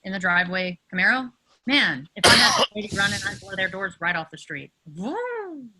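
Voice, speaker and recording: A woman playing an awkward, excitable, friendly teenage boy in a virtual table read. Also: medium pitch, moderate pace, noisy background, natural voice. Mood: cocky, excitable.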